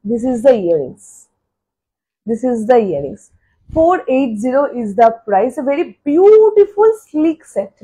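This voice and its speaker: A high-voiced woman with a husky edge sells jewellery on a phone live stream. She says each price slowly, two or three times over, then breaks into quick, chatty bursts between pieces. Her tone is casual and repetitive, like a seller talking to viewers. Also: darkish tone, poor audio. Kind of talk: live-stream sales talk. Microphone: phone camera.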